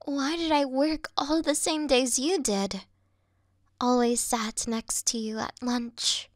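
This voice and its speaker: Woman acting a high-pitched, cutesy lovestruck anime girl. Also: fairly even intonation, dry recording, clean studio sound. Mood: eerie, possessive. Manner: cutesy, soft, drawn-out, coy. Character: yandere video game girl, sweet, clingy, lovestruck young office woman. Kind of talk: ASMR roleplay acting.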